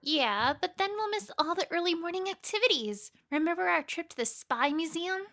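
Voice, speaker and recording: A woman plays an excitable young cartoon pony with a very high, bright voice. She is bubbly and friendly, always urging someone along in a fan-made audio story. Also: normal speed, exaggerated voice. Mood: eager, cheerful. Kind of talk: fan fiction audio reading.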